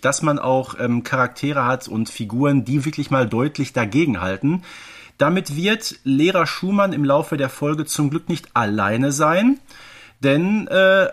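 A man's voice: medium pitch, a bit bright. A man in his forties co-hosting a podcast, giving analysis in a conversational style. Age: 40s. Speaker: podcast co-host.

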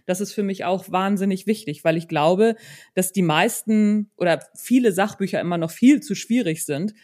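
A woman's voice: medium pitch, normal speed, dark tone. A middle-aged woman hosting a conversational interview, speaking in an easy chatty way and often tagging little questions onto her sentences. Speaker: podcast host and non-fiction author. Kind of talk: casual conversational chat.

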